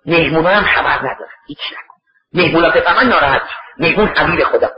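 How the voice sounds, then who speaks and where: A male preacher telling a religious story in an emotive sermon, acting out the characters' lines and letting his voice break with grief, on a distant, roomy and dull recording. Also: a little high.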